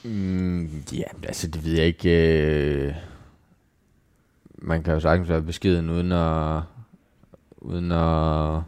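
Very low-voiced hesitant man. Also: pauses often, clear, resonant tone, no room sound, clean studio sound. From Jutland, Denmark. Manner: hesitant, restarting often, calm and modest. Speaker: professional cyclist. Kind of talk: interview answers.

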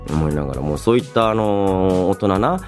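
His voice is low and a little mellow, fairly quick, with lively intonation: a man in his thirties hosting a casual radio show in a studio with background music. Reading listener mail politely but loosely, he banters playfully and keeps laughing at himself.

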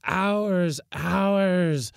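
Man performing shrieking spirit horde, high-pitched, frantic, greedy, repetitive, audiobook horror. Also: big pitch swings, extremely slow, creaky, husky, dry recording, clean studio sound, full character voice. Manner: shrill repeated cries. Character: frenzied possessive horde of shrieking disembodied voices.

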